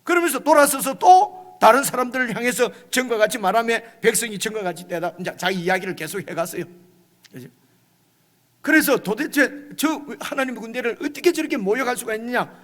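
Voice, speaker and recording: Male pastor, conversational sermon, high voice, church hall reverb. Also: fairly quick, fairly bright tone. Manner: conversational preaching, often asking "right?"; acts out quoted lines with rising intensity. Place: church sanctuary.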